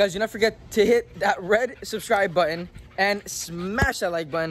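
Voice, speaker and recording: Over light background noise, a man talks in a high pitch with ordinary pitch variation. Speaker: vlogger. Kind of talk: casual vlog chat. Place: garden. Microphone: phone near.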